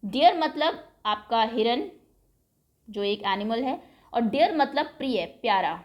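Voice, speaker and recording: Slow-talking woman teacher explaining a lesson. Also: fairly high pitch, animated, muffled recording. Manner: switches between reading English aloud slowly and explaining in Hindi; patient and explanatory, repeating words for pupils.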